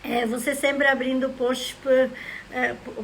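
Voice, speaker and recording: A woman's voice: high-pitched, level tone, slow pace, a bit bright, slight background noise. A woman from southern Brazil hosting a live stream, greeting viewers by name and drifting into reflective, rambling talk. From Rio Grande do Sul, Brazil. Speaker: live stream host, member of a literary academy.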